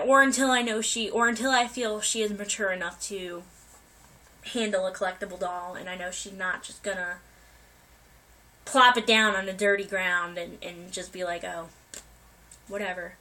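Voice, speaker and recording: Young woman vlogger, bright voice, recovering from a cold, chatty and meandering. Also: mid-range voice, steady tone, normal speed, poor audio. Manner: rambling, many ums and restarts. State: getting over a cold, coughing. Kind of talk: casual life update to viewers.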